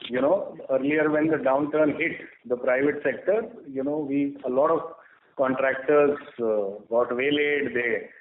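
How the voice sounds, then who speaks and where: A man with an Indian accent answering questions as a company executive on an earnings call, speaking in a measured, halting way with frequent pauses. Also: medium pitch, fairly even intonation, phone-quality sound, slight background noise. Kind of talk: earnings call Q&A, spontaneous explanation. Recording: echoey, band-limited conference call line.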